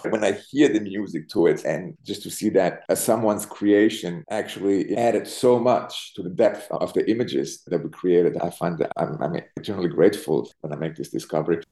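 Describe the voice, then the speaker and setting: A deep, mellow-voiced middle-aged man from Switzerland, raised speaking Italian and German. He answers interview questions reflectively, pausing and restarting as he searches for the right words. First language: Italian and Swiss German. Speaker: cinematographer, interview guest.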